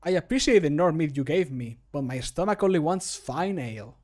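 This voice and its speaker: A man voicing a polite, measured male character for a fantasy game. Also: fairly high pitch, lively intonation, a little mellow. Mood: polite declining. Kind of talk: game voice-line acting.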